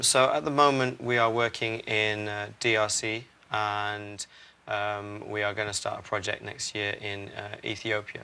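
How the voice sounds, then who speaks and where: A young man from Barbados, founder of a charity, answering interview questions earnestly with many "uh" pauses. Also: on the low side, vocal fry, pushed and bright, smooth. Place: TV studio.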